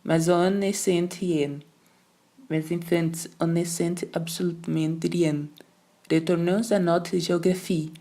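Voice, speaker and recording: A student reader voicing a prim, stern French governess who speaks slowly and emphatically with a put-on French accent, for an amateur audiobook. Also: mid-range voice, steady tone, warm tone. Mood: stern, triumphant. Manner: slow, emphatic, syllable by syllable.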